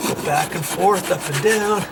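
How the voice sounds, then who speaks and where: A man's voice: sits high, normal speed. A man hosting a casual hands-on DIY tutorial, rambling in a folksy way and asking himself questions that he then answers. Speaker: DIY video host. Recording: noisy, tool rasping and scraping sounds.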